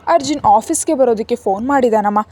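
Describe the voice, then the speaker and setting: Kind elderly grandfather, read by a woman, gentle and fond, fairly high mellow voice. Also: quick pace, lightly acted.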